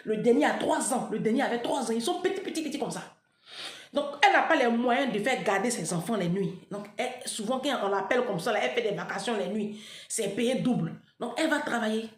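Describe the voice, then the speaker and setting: A woman's voice: on the high side, animated, a little fast. A woman in her forties from Africa, talking emphatically to her followers and repeating herself to make her points. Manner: emphatic, repetitive, rhetorical asides. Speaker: social media commentator. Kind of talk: casual monologue to followers. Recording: roomy echo.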